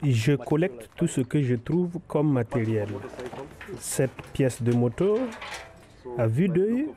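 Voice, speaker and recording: Young male artist from Kenya, mid-pitch voice, plain explanations, crowd noise behind. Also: lively intonation, slow. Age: young adult. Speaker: artist interviewee. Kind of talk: interview.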